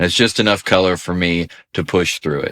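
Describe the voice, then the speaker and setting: A man with a very deep, low voice speaks in a dry, close recording with no echo and a completely silent background. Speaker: sound engineer, audio gear youtuber. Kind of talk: tutorial.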